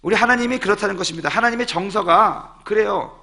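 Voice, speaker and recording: A man's voice: sits high, fast talker, gravelly, bright, forceful tone. A male pastor giving a sermon in a playful storytelling manner, reading verse aloud in several regional dialects.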